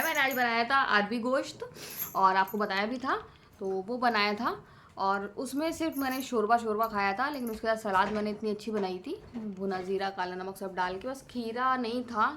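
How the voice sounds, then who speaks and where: A woman's voice: fairly high pitch, brisk, a bit bright, slight background noise. A woman in her thirties talking casually in a family vlog, chatty and rambling with many fillers. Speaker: vlogger.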